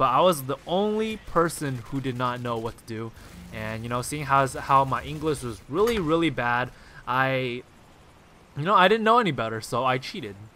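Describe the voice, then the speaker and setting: A man's medium-pitched voice with a Californian accent, bright and sharp in tone, at a moderate pace with lively intonation. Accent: American, California. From China, then California. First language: Chinese. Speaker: gaming YouTuber. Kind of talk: gameplay commentary storytelling. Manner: casual.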